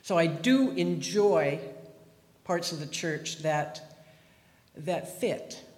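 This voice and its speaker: A man's voice: on the high side, lively intonation, drawn-out words, darkish tone. Older man telling stories in an echoey hall. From Pacific Northwest, USA. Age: around 70. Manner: chatty, humorous, wandering with restarts. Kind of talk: personal testimony, storytelling. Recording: echoey hall with long reverb.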